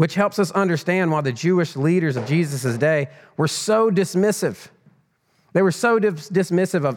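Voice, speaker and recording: Lively intonation marks this speaker's Southern US accent, delivered at a moderate pace. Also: man. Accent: Southern US (Georgia). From US South, northwest Georgia (Cartersville). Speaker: deacon. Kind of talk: sermon. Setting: church. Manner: halting, many fillers.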